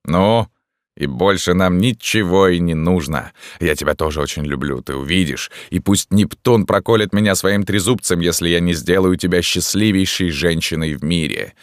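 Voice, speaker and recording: A boastful young army captain from a classic storybook, amorous and pleased with himself, drawing out his words in a smooth, self-satisfied way. The voice sits very low and deep as a man reads him, with a dry, close sound. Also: normal speed, no echo, natural voice. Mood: smug.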